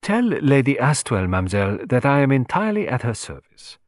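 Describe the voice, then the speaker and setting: A man's voice: mid-range voice, big pitch swings, a little fast, no echo, studio quality, lightly acted. A man voicing a vain, fussy little male detective who speaks in a courtly, self-satisfied and precise way. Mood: musing.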